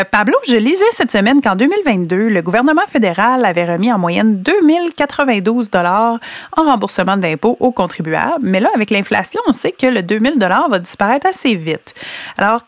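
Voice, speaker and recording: A woman's voice: mid-range voice, animated, fairly quick, dry recording. A woman with a Quebec French accent hosting a podcast in a conversational style. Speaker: podcast host.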